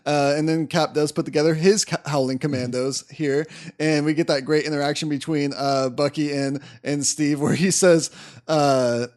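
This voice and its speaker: A man's voice: on the high side, steady tone, moderate pace, darkish tone. A man co-hosting a podcast, recapping and commenting on a film in a casual, enthusiastic way. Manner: enthusiastic, often chuckling. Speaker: podcast co-host.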